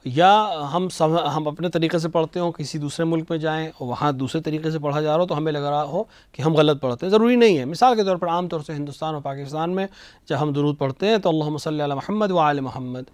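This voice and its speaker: A man, a religious scholar on a studio TV show, explaining patiently and slowly reciting phrases to show the right pronunciation. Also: on the high side, a little mellow, dry recording. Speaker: religious scholar answering questions. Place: television studio.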